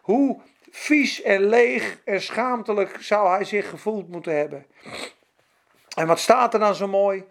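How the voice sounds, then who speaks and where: A male preacher with a high, gravelly voice. He retells scripture fervently and conversationally, breaking off for casual asides to the congregation. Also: measured pace. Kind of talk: sermon.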